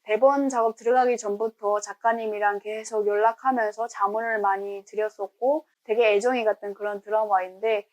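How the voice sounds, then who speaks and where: A woman's voice: medium pitch, fairly even intonation, normal speed, few pauses, a little mellow, rough recording. A woman from Pyongyang, North Korea, giving earnest, enthusiastic commentary in a talking-head vlog. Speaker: YouTuber.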